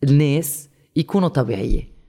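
Dark-voiced Lebanese speaker, casual chat. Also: medium pitch, expressive, a little fast, breathy edge. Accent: Lebanese Arabic.

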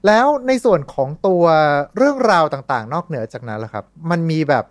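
A man's voice: fairly high pitch, huge pitch swings, brisk, no echo, studio quality. A man hosting a casual podcast, asking questions and teasing his co-host.

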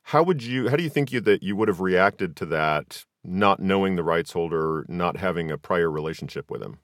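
A man hosting a conversational interview, speaking in a measured, deliberate way as he lays out long questions. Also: sits low, expressive, fairly bright tone, dry recording, studio quality. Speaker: podcast host and interviewer.

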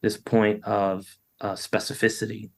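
This middle-aged American poet, interviewed over a video call, sounds low, darkish and monotone, speaking a little slowly. His reflections ramble loosely, with frequent "you know"s and restarts.

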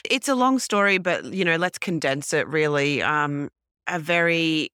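An Australian woman in her forties tells her story in a restless, self-correcting rush, her first language French. Her voice is bright and smooth. The sound is dry and close. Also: deep voice, expressive, a little slow, no room sound. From grew up in French Polynesia, then Australia. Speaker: podcast guest. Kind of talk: casual interview storytelling. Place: hotel room.

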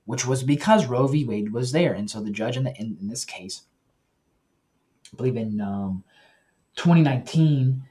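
A man hosting a Christian news commentary show, talking earnestly and directly to his listeners, often pausing and correcting himself. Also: mid-range voice, warm tone. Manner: earnest, with self-corrections and pauses.

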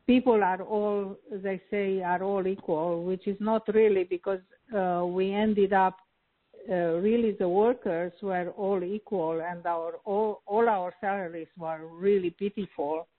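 A woman from Romania, a healer, talking slowly with many hesitant pauses in an interview. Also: medium pitch. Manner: slow, hesitant, frequent filler pauses. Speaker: healer and guest. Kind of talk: interview conversation. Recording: tinny phone-like line.

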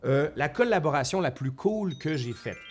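This man's voice is slightly high and animated, moving at a normal pace, with a Québécois French accent from Quebec, Canada. He's a history YouTuber and university professor delivering a casual vlog monologue at home before a bookshelf. He's chatty, corrects himself, and adds colloquial asides.

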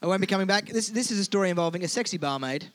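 A man's voice: high-pitched, animated, racing, fairly bright tone, dry recording. A man co-hosting a podcast, telling a story in a playful, teasing, casual way. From United Kingdom. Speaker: podcast co-host. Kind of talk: casual comedic chat.

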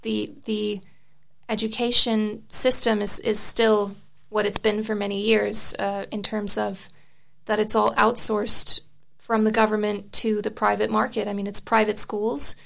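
Her voice is mid-range, gravelly and fairly bright, with little pitch movement, and she takes an unhurried pace. She is a young woman whose first language is Serbian, an article author being interviewed conversationally, explaining her views thoughtfully amid frequent fillers and restarts.

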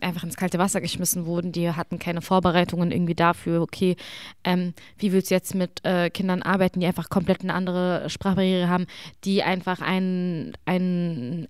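A young woman who grew up speaking Arabic talks earnestly and with emphasis in a casual conversation. She often pauses to search for the right word. The recording is close and dry. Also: fairly low pitch, clear, resonant tone, no room sound.

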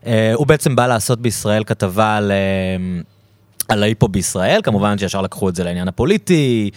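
A man's voice: on the low side, lively intonation, no echo. A man with an Israeli accent chatting casually as an interviewer.

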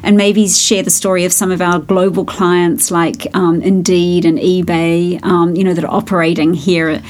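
A woman with a New Zealand accent talks in a chatty, easy way and often breaks into laughter. Her voice sits a little low. She peppers her answers with "you know" and "um". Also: flat delivery, normal speed. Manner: chatty, warm, laughs often, many fillers. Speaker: company founder being interviewed. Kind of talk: business interview.

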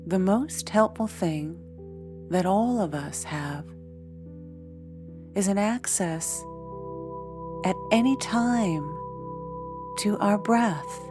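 A woman leading a guided meditation in a soothing, deliberate way, pausing often between short phrases. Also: medium pitch. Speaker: meditation guide, podcast host. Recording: background music. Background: soft instrumental music.

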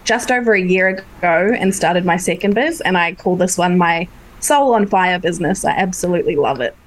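A woman's voice: lowish voice, moderate pace, poor audio. A woman from New Zealand with a light accent between New Zealand and Australia, a hypnotherapist chatting openly and eagerly as a podcast guest. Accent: light New Zealand-Australian blend. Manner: open, enthusiastic, self-deprecating. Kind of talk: casual interview chat.

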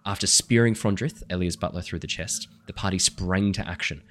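A man running a tabletop game as dungeon master, slightly hoarse, chatty and apologetic while he sets up the session and reads the recap. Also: low voice, a little fast, a bit bright. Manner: chatty, apologetic, laughing between remarks. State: hoarse after illness.

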